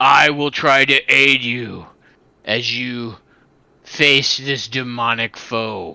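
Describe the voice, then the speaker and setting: A put-on character voice bellows out, raspy and rough. The delivery is very slow. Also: man, medium pitch for a man. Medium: actual play.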